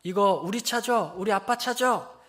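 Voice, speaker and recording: A man voicing his confident little five-year-old daughter in a high, wheedling child's voice. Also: unhurried, sharp tone. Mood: playful.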